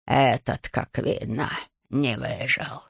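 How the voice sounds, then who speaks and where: A storybook reader voicing a huge menacing male night dragon, speaking in a slow, threatening, half-whispered growl. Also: fairly even intonation, gravelly, slightly rough, no echo, clean studio sound, full character voice. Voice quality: low rumbling growl.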